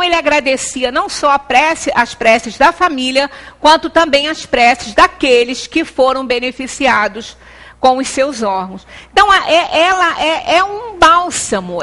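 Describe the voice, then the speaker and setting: A middle-aged woman with a Brazilian Portuguese accent gives an earnest devotional talk in a meeting room, pausing and restarting often, picked up by a far camera. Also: high-pitched, lively intonation, fairly bright tone. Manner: earnest, gesturing, many pauses and restarts. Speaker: lecturer at a spiritist center.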